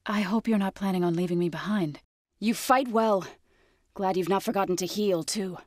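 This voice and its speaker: An actress playing an earnest, resolute tribal woman warrior and healer in a video game, speaking in measured, formal phrases. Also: mid-range voice, a little mellow, no room sound, natural voice. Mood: earnest, caring. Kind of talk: game character voice lines.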